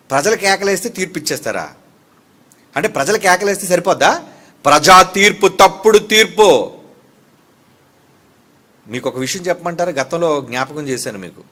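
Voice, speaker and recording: High-voiced man preaching a fiery sermon. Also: sharp tone. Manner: fiery, fires rhetorical questions at the congregation. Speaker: pastor.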